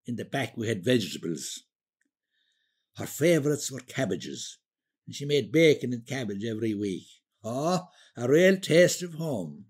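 An actor playing a romantic older Irish husband in a radio drama, reminiscing tenderly and wistfully in an Irish accent, sometimes halting and repeating words. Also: male voice, medium pitch, slightly rough, full character voice.

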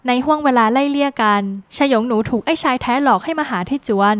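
A woman narrating a scripted drama plot recap in a brisk, lively storytelling manner with dramatic phrasing. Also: sits high, dry recording.

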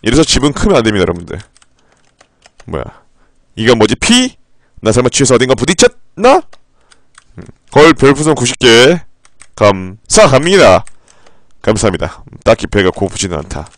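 On a live stream, a man plays through a game, reading its text aloud in a low, flat voice and suddenly erupting into profanity. His pace is fairly quick with frequent pauses. The audio is studio quality with no echo.

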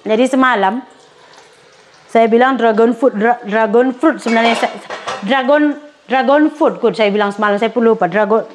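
This middle-aged Indonesian woman, a cooking vlogger, chats casually to her viewers, calling them "pemirsa," as she cooks in her home kitchen. Her voice is fairly high and her pace moderate, with slight background noise.

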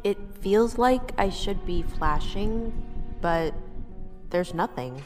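A woman's voice: mid-range voice, animated, slow, darkish tone, faint music behind. An actress playing a guarded, defiant woman with no memory in an audio drama. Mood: uneasy. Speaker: lead actor and narrator of an audio drama serial.

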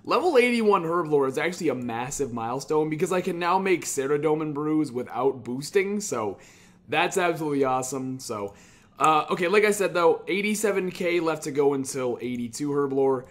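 A man talks over his own gameplay in a loose, chatty way, his voice sitting a little high for a man. He stays upbeat and throws in casual swearing as he goes. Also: animated, moderate pace. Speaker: gaming YouTuber.

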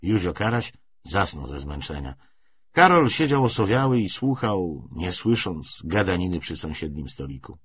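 A man reading literary narration for an audiobook in an expressive, measured storytelling way. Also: sits low, husky. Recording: dull, muffled lo-fi recording.

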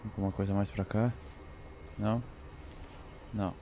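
Brief: gameplay streamer, mellow low voice, jittery self-talk, faint hiss. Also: male voice, little pitch movement, unhurried. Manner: nervous, talks to himself. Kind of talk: let's play commentary.

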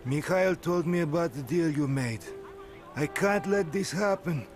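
A man's voice: a little high, measured pace, darkish tone, soft background music, lightly acted. A male actor playing a stern, resolute armed man guarding a secret in a motion-comic thriller, firm and commanding. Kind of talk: dramatic motion-comic voice acting.

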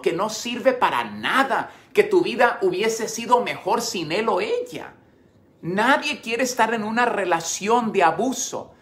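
A man's voice: sits high, fairly bright tone. Earnest male pastor preaching. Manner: earnest, direct address to listeners. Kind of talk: sermon.

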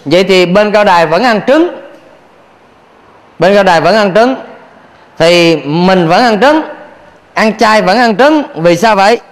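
A Buddhist monk gives a playful sermon, often quizzing his listeners and laughing along with them. His voice sits high for a man. The sound carries a long reverb, as in a hall. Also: lively intonation, unhurried, pauses often. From Vietnam. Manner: playful, asks the audience questions, laughs often. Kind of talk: dharma talk sermon.

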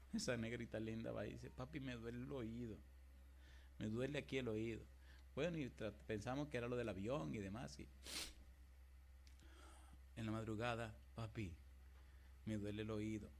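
A man's voice: medium pitch, creaky. Man preaching with dramatic swings. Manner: dramatic preaching that swings from loud exclamations to hushed storytelling. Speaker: pastor. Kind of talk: sermon.

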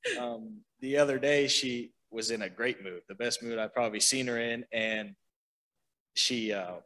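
A man's voice: medium pitch, moderate pace, gravelly, rough recording. A man, a care home administrator, telling a funny story about a resident on a panel. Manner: storytelling with laughter, relaxed. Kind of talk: panel answer, anecdote. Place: meeting room.

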